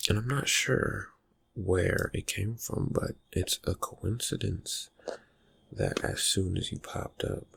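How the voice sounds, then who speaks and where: A man playing a reclusive, slyly menacing vampire friend in an ASMR roleplay, murmuring haltingly in a raspy, breathy voice with dry suspicion. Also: deep voice, a bit bright, a little hiss or hum, exaggerated voice. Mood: guarded, suspicious. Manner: hesitant, halting, laconic, dryly suspicious. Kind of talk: ASMR roleplay, soft-spoken character talk.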